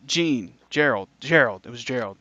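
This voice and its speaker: A man's voice: medium pitch, normal speed, muffled recording, over a noisy crowd. A man on a casual podcast chat, telling stories with lots of swearing. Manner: swears a lot, animated storytelling. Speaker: podcast co-host.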